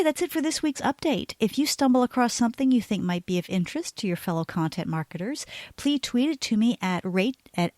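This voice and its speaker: A woman's voice: medium pitch, a little mellow, dry recording. Dry-sounding woman podcast host. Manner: brisk, reads bios smoothly, many backchannel hums. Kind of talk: scripted intro then casual interview.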